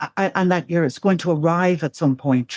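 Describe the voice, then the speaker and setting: With a Dublin accent, a woman speaks at a moderate pace in a very deep, low pitch with ordinary pitch variation, the sound dry and close with no echo against a quiet background. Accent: Irish (Dublin). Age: 60s. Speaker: singer and actress. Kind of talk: casual interview chat. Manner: halting, many restarts.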